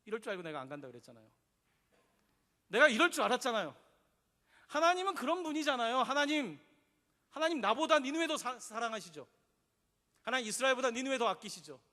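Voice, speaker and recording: A man's voice: very high voice, sing-song, fast, pauses often, pushed and bright, heavily acted. A man voicing an angry male prophet who protests to God in aggrieved, demanding questions. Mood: indignant. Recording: long reverb in a church hall.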